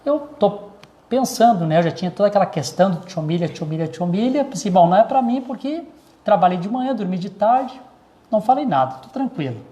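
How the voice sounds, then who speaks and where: A man's voice: high voice, animated, fast, warm tone. A man preaching in Portuguese, telling a personal testimony with many restarts and repetitions. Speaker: pastor. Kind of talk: sermon testimony.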